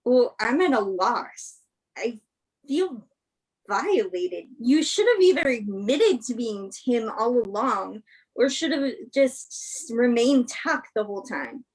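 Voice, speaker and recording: Husky, bitter young woman played by an actress. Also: a little high, animated, slow pace, exaggerated voice, poor audio. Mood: shocked, hurt. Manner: confrontational, sarcastic. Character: Emma, bitter, guarded religious young woman. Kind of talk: virtual staged play reading.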